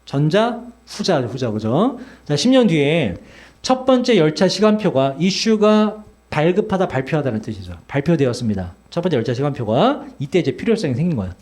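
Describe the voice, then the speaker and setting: Lively, chatty male English teacher. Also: on the high side, fairly quick. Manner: chatty, teasing, addresses students directly. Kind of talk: classroom lecture.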